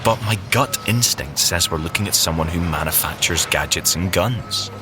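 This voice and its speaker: A man playing a wry, excitable young tech agent with a Scottish accent, bantering colloquially in an audio drama. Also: deep voice, normal speed, noisy background, natural voice. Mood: pondering. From Scotland. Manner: joking, colloquial, expressive.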